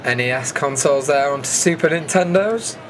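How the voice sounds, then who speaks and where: A man's voice: a little high, fairly quick, a little hiss or hum. A man giving a casual, dryly jokey voice-over commentary as the host of an event video.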